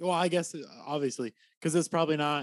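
Sounding dry and close with no echo, a man talks at a fairly quick pace and fairly high pitch. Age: 20s. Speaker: podcast host, truck driver. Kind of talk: casual chat.

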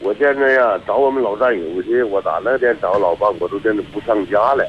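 A man talks with hardly any pauses. There is noticeable background noise. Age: 60s. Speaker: retired army veteran, caller. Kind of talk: phone-in call. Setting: phone call. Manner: quiet.

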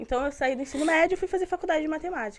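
A woman's voice with lively intonation. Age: 30s. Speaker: comedian. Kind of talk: casual chat. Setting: studio. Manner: talkative.

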